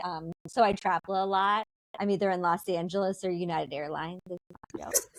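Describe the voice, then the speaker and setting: Speaking in a normal speaking voice with an American accent, a woman at a medium pitch keeps a moderate pace in a dry, close sound with no echo. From Wyoming, US. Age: 40s. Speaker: higher education digital leadership consultant. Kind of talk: podcast interview. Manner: casual, chatty.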